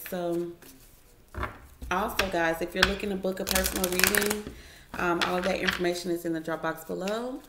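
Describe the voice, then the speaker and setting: A woman's voice: on the low side, reverberant, background noise. A woman giving a casual tarot reading at home, chatting to her viewers and musing over each card aloud. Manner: chatty, addresses viewers as y'all, muses over cards aloud. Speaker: tarot reader. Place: home, at a wooden table.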